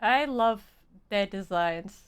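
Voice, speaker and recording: A woman's voice: mid-range voice, animated, takes it slowly, smooth. A woman chatting casually as she live-streams a video game, rambling and often restarting her phrases. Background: game music.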